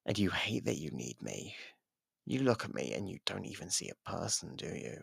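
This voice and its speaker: A low, heavily creaky voice, acted by a man, for a sardonic murderer behind bars in an ASMR roleplay. He taunts with theatrical pauses and a swooping, husky delivery, right up close on the microphone. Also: very animated, a bit bright, dry recording, full character voice. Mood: taunting. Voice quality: gravelly, husky. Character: taunting, sardonic imprisoned murderer baiting a detective. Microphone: close microphone, dry.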